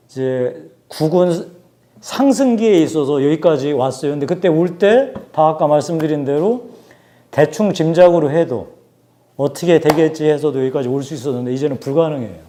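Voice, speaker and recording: A man in his forties giving a book talk, explaining numbers in a measured way with frequent hesitations. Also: a little high, warm tone. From South Korea. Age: 40s. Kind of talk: lecture-style talk with statistics.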